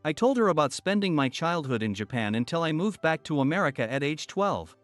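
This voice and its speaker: A man narrating a first-person story in a steady, even storytelling manner. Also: a little high, fairly quick, dry recording. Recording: soft music bed under voice.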